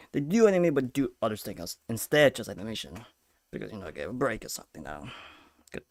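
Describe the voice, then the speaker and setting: A man from Peru streaming, rambling through casual reaction chat with halting restarts. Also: on the low side, gravelly, no echo.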